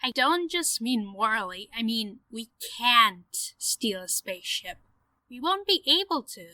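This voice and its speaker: A woman's voice: fairly high pitch, sing-song, measured pace, sharp tone, no room sound, exaggerated voice. A woman playing a practical, sceptical young woman in an audio drama, emphatic and easily incredulous. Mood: exasperated.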